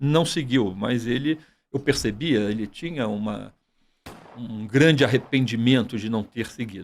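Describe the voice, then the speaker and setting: A man's medium-pitched voice with ordinary pitch variation at a fairly slow pace. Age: 60s. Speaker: retired military police colonel. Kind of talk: interview, personal story and opinion. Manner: hesitant, many fillers.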